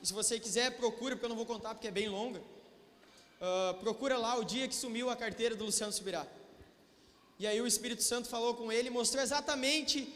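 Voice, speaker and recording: A young man preaching a sermon, telling a personal story quietly and then building to loud, fervent exhortation. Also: very high voice, fast talker. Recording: long reverb of a church hall.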